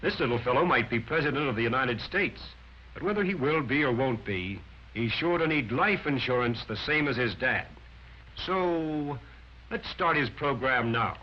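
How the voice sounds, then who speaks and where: A man's voice: medium pitch, expressive, normal speed. A man narrating a 1940s sales training film, lecturing emphatically and counting off his points one by one. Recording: dull lo-fi 1940s film soundtrack.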